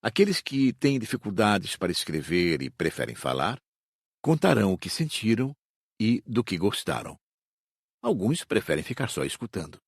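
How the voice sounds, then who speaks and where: A Brazilian man playing a patient spirit teacher in an audiobook, explaining in a measured, didactic way. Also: fairly low pitch, very animated, vocal fry, slightly rough, no room sound, studio quality, exaggerated voice. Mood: calm, instructive. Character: patient male spirit teacher instructing his students. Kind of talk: audiobook dramatized reading.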